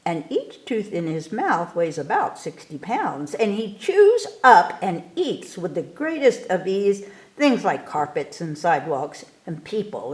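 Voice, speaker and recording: A woman reading a rhyming picture book aloud to children in an expressive, theatrical way, stretching key words for emphasis. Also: mid-range voice. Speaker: story time reader.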